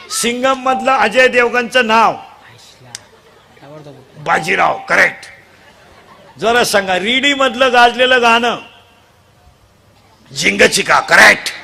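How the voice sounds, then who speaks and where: High bright-voiced preacher teasing a crowd. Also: male voice, creaky. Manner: teasing, quizzes children and crowd, calls for loud answers. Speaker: kirtan preacher. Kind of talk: comic devotional kirtan. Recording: live crowd with faint noise.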